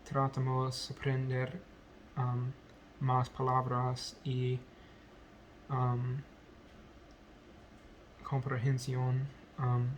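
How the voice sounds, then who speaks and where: A man with English as his first language talks haltingly through a language-practice vlog. He speaks at a very slow, even pace with a flat, unvarying pitch. He fills gaps with ums and corrects himself often, over a faint hiss of background noise. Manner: hesitant, many ums and self-corrections. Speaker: language learner vlogger. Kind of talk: halting unscripted speech practice.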